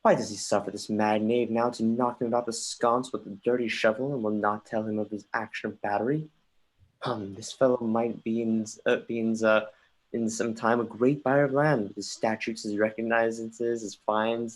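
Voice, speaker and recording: A woman's voice: rumbling low, a little mellow, poor audio. A brooding young prince, acted by a woman in a Shakespeare play reading. The delivery is musing and sardonic, witty, and built on rhetorical questions.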